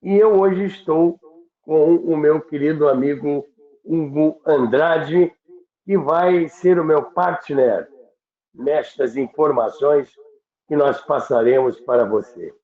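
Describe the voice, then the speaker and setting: A Brazilian man hosting a show, telling stories in a deliberate, emphatic, conversational way. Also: on the high side. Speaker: radio history show host. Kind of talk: conversational presenting and storytelling. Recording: echoey, band-limited muffled sound.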